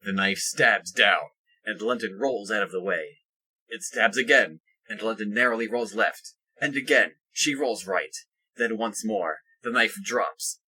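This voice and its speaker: A man's voice: lowish voice, sharp tone, husky, poor audio. A man reading scripted present-tense action narration for an audio drama.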